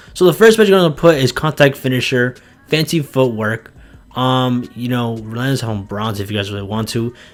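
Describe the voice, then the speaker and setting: Medium pitch marks this man's voice. He talks at a fairly quick pace with ordinary pitch variation. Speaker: gaming YouTuber. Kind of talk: tutorial. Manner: fast; casual.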